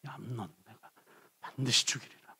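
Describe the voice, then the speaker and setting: A man voicing a brooding young prince, low and hushed. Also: normal speed, vocal fry, slight background noise. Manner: low hushed intense speech. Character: brooding young prince, grieving brother plotting revenge.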